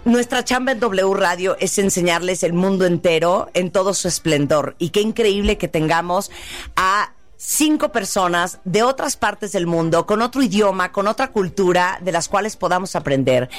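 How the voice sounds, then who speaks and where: A woman's voice: medium pitch, animated, normal speed. Bubbly Mexican woman radio host. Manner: bubbly, exclamatory, cheering guests on. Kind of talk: lively radio chat.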